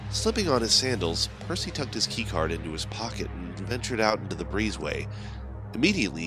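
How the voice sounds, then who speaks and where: A man hosting and narrating horror stories in a scripted, measured, theatrical manner, with deliberate phrasing. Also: low voice. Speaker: horror anthology host and narrator.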